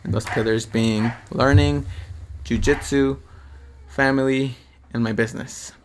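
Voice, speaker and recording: A man's voice: medium pitch, steady tone, unhurried, a little hiss or hum. A man of twenty hosting his own podcast, talking alone in a rambling, slangy way, swearing often and restarting his sentences. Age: 20s. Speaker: podcast host. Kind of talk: casual reflective solo monologue.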